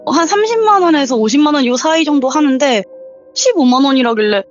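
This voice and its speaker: A woman's voice: sits high, expressive, fast talker, highs cut off, faint music behind. A young woman in her twenties calling in to tell a true scary story in a chatty, casual way, acting out what people said. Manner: chatty, acts out quoted dialogue. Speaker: viewer telling her story as a caller. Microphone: voice call.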